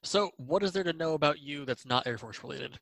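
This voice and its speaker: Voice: mid-range voice, brisk, gravelly, a bit bright. An interview host with a mid-range voice who asks casual questions and often hesitates on fillers. The sound is dry and close, with no room echo.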